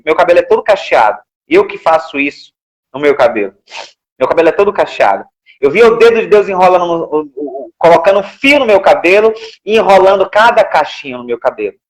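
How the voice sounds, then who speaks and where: A man's voice: sits high, expressive, a little fast, rough recording. A man with a Brazilian accent giving an earnest, emotional religious testimony and repeating his phrases. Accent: Brazilian Portuguese. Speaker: testifying church member.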